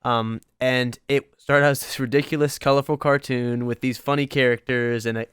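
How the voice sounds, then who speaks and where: An excitable young man co-hosting a podcast, tripping over his words and circling back as he talks. His voice sounds smooth and clear, recorded close and dry with no room around it. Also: normal speed, dry recording. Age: young adult. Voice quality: higher voice. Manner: excitable, rambling with many restarts. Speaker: podcast co-host. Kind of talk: casual chat.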